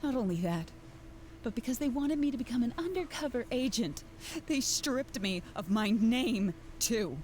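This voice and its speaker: A woman's voice: a little high, animated, normal speed, darkish tone, a little hiss or hum, natural voice. An actress voicing a cornered, theatrical young woman villain in a video game, bitter and cackling.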